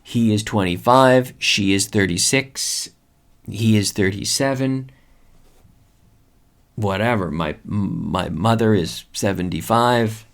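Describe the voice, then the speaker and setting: A man's voice: on the low side, slow pace, gravelly. A man hosting a podcast English lesson, patiently going through examples and checking in often, switching between English and Spanish to explain. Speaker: podcast host and English teacher.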